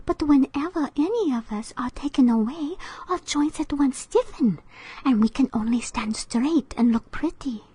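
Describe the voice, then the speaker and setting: A woman's voice: high-pitched, expressive, normal speed, dark tone, pitched above the performer's own voice. A woman voicing a timid, prim young china princess in a storybook reading, speaking delicately. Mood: whispered.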